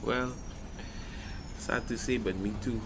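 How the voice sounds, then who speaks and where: A man's voice: fairly low pitch, steady tone, slow pace, gravelly. A flamboyant, sympathetic gay man played by an actor with a Caribbean accent, in an audio drama. He talks like a gossipy confidant, theatrical and sassy, with noticeable noise behind the voice. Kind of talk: conversational audio drama acting.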